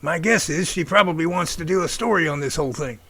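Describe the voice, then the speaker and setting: A man's voice: fairly high pitch, fast, fairly bright tone, husky, no echo. A man playing a fatherly older professor in an amateur radio drama, folksy and encouraging.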